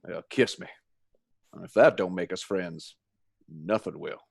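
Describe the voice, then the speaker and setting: An actor playing a jolly, gallant young Texan suitor in a radio play, with a folksy, earnest drawl. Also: male voice, deep voice, measured pace, vocal fry, breathy edge, no room sound, studio quality, full character voice. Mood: folksy courting. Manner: folksy drawl with American slang.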